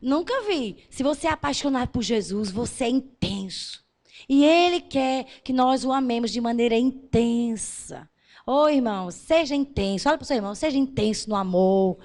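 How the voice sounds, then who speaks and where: A woman pastor delivering a fervent sermon in a high, bright voice. She speaks straight to the congregation, building to loud emphatic declarations, then dropping to soft, tender lines. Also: animated, normal speed. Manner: addresses the congregation directly.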